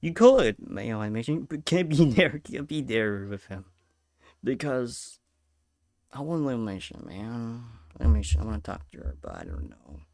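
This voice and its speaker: A man from Peru streaming, rambling through casual reaction chat with halting restarts. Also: mid-range voice, very animated, darkish tone, no room sound, clean studio sound.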